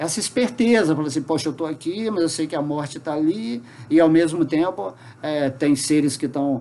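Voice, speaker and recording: There is noticeable background noise. Over it, a man with a fairly high pitch speaks at a moderate pace. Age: 60s. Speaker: spiritual teacher. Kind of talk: evening spiritual lecture.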